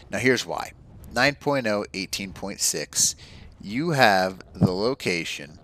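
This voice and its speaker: A man's voice: deep voice, pushed and bright. A man hosting a game walkthrough, talking viewers through spots on the map in an enthusiastic, casual way. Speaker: gaming channel host.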